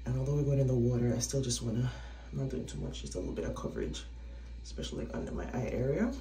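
A woman's voice: extremely low pitch, animated, rapid-fire, warm tone, reverberant. A woman in her thirties chatting casually to a close phone camera while doing her makeup, her voice a little throaty. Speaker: vlogger. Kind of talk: casual vlog chat to camera. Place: small indoor room, by a window.

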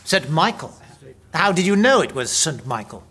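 An actor playing a sceptical archbishop at a royal court in an audio drama, questioning formally and pointedly. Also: male voice, on the high side, sing-song, moderate pace, bright, forceful tone, breathy edge, exaggerated voice.

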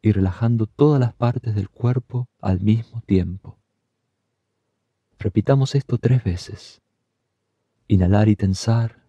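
A man leading a guided meditation, giving calm, soothing, unhurried instructions. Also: on the low side, breathy edge, no echo, lo-fi sound.

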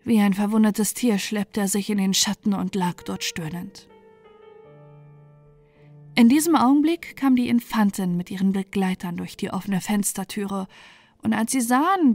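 A woman calmly reading a dark fairy tale aloud as a bedtime story, in a gentle, even manner. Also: medium pitch. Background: soft background music.

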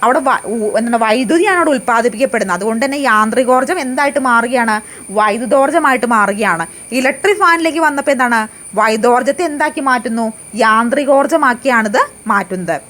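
A woman's voice: fairly high pitch, expressive, fast, a bit bright. A woman teaching an exam prep lesson. She asks questions and answers them herself, repeats key facts and often hesitates and restarts.

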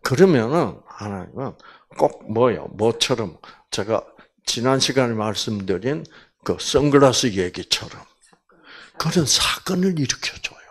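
Older man, Bible lecturer, husky voice, slow unhurried delivery, lively swooping pitch. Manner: animated, with many fillers and acted quotes.

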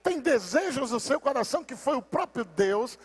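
A man with a Brazilian accent preaching a fervent sermon as a pastor at a church service, shouting his exhortations to the congregation. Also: very high voice, animated, normal speed, husky. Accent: Brazilian Portuguese.

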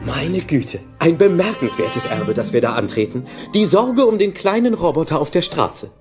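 Arrogant, theatrical robot boss. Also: male voice, on the high side, very animated, normal speed, over music. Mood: sarcastic. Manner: smug, scornful, theatrical. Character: arrogant, ruthless steel robot company boss, male. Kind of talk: children's audio play dialogue.

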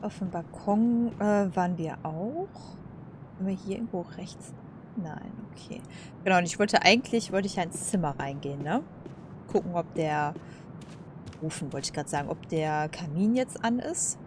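Female gaming host, lower register, chatty and musing, clear background noise. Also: expressive, normal speed. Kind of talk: casual let's play commentary.

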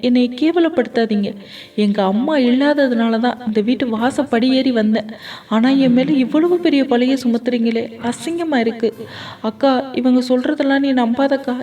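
A woman storyteller voicing a frightened young woman who pleads in tears, in a high, shrill voice. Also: mellow, close to an everyday voice. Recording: dull distant lo-fi recording.

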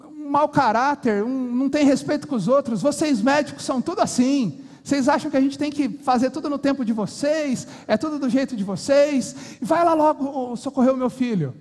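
A man's voice: very high-pitched, normal speed, few pauses, a little mellow, voice pushed up. A Brazilian man voicing a rude father who rants at a late doctor, in a reverberant hall. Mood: furious. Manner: ranting, accusing. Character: rude angry father at a hospital.

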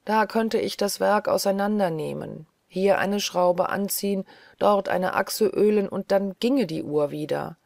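A woman's voice: mid-range voice, measured pace, creaky, darkish tone, no room sound, clean studio sound. A woman voicing a weary, agitated young woman doctor who talks in restless, pleading chatter. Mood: pensive.

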